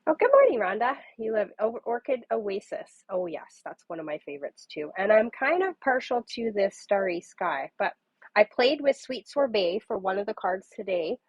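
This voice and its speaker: A woman's voice: medium pitch, very animated, moderate pace, husky, no echo, highs cut off. A woman with a cold and a nasal voice, chatting casually on a papercrafting livestream and greeting viewers by name. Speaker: papercrafting demonstrator. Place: home craft table.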